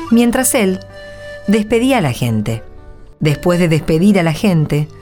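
A woman's voice: lowish voice, a little mellow. A woman reading scripted narration for a radio drama.

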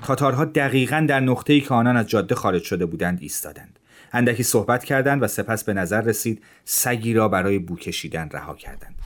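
Low-voiced male storyteller. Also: expressive. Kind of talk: audiobook narration.

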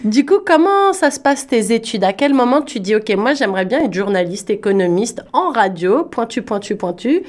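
A woman's voice: fairly high pitch, lively intonation, normal speed, few pauses. A woman with a Parisian French accent hosting a radio interview in an informal, chatty way. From Paris, France.

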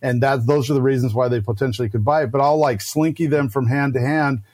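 A man chatting as a podcast guest, telling stories with quick acted-out voices for the people he describes. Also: medium pitch, no room sound. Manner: lively storyteller who acts out snakes and customers in quick voices. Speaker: guest snake breeder. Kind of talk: casual podcast chat.

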